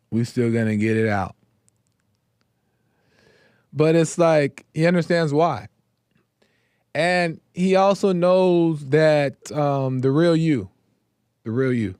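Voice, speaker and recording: A man talks slowly and thoughtfully about faith, circling back to his points with pauses and filler words. His voice is wearing thin and a little hoarse. The sound is close and dry, with no room echo. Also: fairly high pitch, darkish tone. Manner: slow, reflective, with many fillers and repeated phrases. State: voice going hoarse. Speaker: host of a live call-in faith show. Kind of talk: casual devotional talk.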